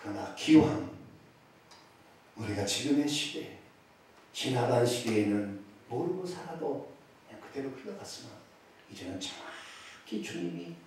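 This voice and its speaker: A man preaching a sermon as pastor, with a regional Korean accent, swinging between loud exclamations and hushed asides. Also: mid-range voice, measured pace, pauses often, a little hiss or hum. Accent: Korean regional dialect. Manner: animated preaching with sudden loud exclamations and drops to near-whispers. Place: church sanctuary. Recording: echoey church sanctuary, from far off.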